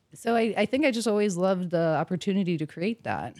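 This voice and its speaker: A woman with a Milwaukee accent speaks in a dark, mellow tone. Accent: Milwaukee Wisconsin accent, rounded vowels. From Milwaukee, Wisconsin. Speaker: event planner and social media marketer. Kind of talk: casual interview chat.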